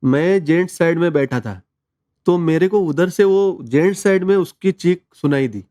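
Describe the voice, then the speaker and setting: A man tells his own story as an interview guest. His voice is mellow and relaxed, and he talks earnestly, slipping English words into his speech. The recording is dry and close. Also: on the high side, moderate pace, no echo. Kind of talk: conversational personal testimony.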